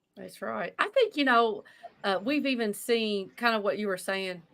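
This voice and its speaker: A woman with a Kentucky accent. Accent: Kentucky Southern US. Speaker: wrestling podcast host. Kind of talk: casual chat.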